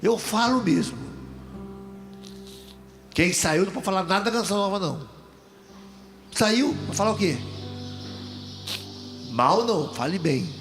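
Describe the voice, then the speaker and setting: A man's voice: sits high, expressive, unhurried, gravelly, long pauses, music in the background. A man in his sixties with a Brazilian Portuguese accent, preaching a joking, emphatic testimony from a stage as a deacon. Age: 60s. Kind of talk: humorous testimony sermon. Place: stage at a religious event.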